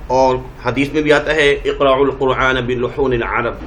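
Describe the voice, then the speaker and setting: A male teacher with a Pakistani Urdu accent, giving a Quran reading lesson and drawing out each letter name slowly to show how it is said. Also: mid-range voice, steady tone, fairly bright tone, a little hiss or hum, poor audio. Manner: draws out letter names slowly, modelling pronunciation.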